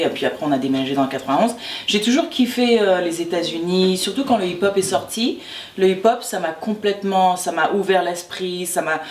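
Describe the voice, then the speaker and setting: A woman from Martinique in her thirties, chatting casually as an interview guest, often restarting and repeating words. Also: lowish voice. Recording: echoey room, distant mic, faint background.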